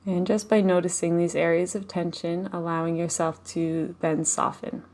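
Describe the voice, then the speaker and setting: A woman leading a live guided meditation, speaking softly and slowly with long pauses and audible sighs. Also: fairly low pitch, little pitch movement. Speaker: meditation teacher. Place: home, live online session.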